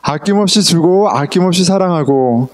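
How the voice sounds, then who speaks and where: A man's voice: sits high, normal speed, a crowd in the background. A middle-aged man preaching a sermon as pastor, conversational, asking his congregation questions and mixing in English words. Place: church sanctuary.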